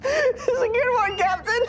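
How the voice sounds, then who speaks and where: A woman voicing a cheerful, slightly slow cartoon crew member who giggles a lot. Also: very high-pitched, a little hiss or hum, full character voice. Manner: giggly, drawn-out.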